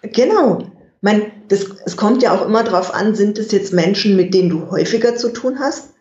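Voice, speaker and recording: A guest expert in an interview, explaining communication in a measured way and thinking aloud with fillers. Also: medium pitch, lively intonation, a little mellow. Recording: dull, roomy recording.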